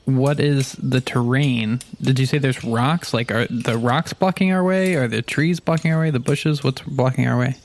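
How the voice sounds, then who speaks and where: A man's voice: medium pitch, normal speed, few pauses, a little hiss or hum. A man chatting casually as a player in a tabletop roleplaying game.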